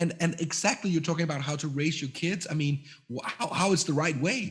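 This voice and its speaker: A man speaks with a Danish accent. His pitch is fairly high, with ordinary variation. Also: fairly quick pace. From Denmark. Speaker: film director. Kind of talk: interview. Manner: halting.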